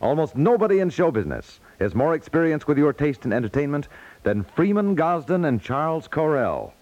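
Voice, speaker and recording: A man's voice: on the high side, big pitch swings, fairly quick, a little mellow. An American man announcing in 1950s network radio style, with folksy, polished salesmanship. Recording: dull, dry 1950s radio recording.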